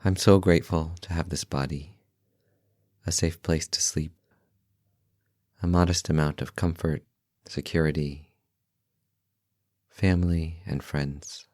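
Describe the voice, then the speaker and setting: A man with an extremely low voice guides a meditation, calm and gentle. He speaks in short, unhurried phrases with long pauses between them. The sound is dry and close, with no room around it. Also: no echo. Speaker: meditation guide, podcast host.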